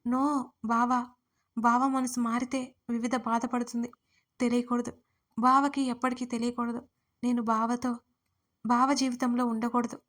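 A woman voicing a young woman in an audio story who shouts through her tears. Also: fairly high pitch, little pitch movement, a little slow, long pauses. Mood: anxious. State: crying. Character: young woman Akruthi, tearful and angry.

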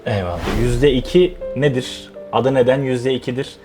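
A man's voice: medium pitch, normal speed, warm tone, soft background music. A man hosting an interview, greeting viewers in a friendly, upbeat way and introducing his guest. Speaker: host.

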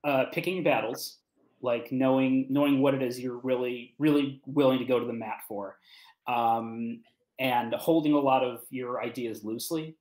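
A man thinking aloud haltingly as a panelist in a casual discussion, on a roomy-sounding video call. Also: medium pitch, steady tone, darkish tone. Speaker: panelist, podcast writer.

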